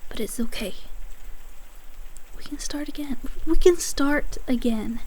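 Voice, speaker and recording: A woman playing an obsessive, possessive yandere asylum patient in an ASMR audio drama, breathy and halting, often slipping into whispers. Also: high-pitched, darkish tone, slight background noise, rough recording. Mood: tender, fixated. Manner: slow, halting, repeating words for menace.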